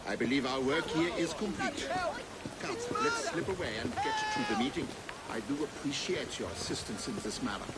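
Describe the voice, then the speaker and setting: An actor playing a polite, formal Victorian union organizer, recorded as game audio with loud ambient noise. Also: male voice, mid-range voice, very animated, normal speed, close to an everyday voice. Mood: calm.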